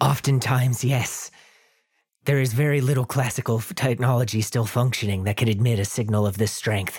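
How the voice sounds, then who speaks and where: Here a man puts on a character voice. It sits at a medium pitch and moves at a moderate pace. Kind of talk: formal speech without contractions. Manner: formal, stilted, eager.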